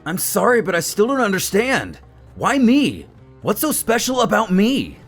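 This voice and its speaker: A man's voice: high voice, huge pitch swings, normal speed, roomy sound, soft background music, voice pushed up, full character voice. A man voicing an earnest, eager young male anime hero who wears his hurt openly. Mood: bewildered.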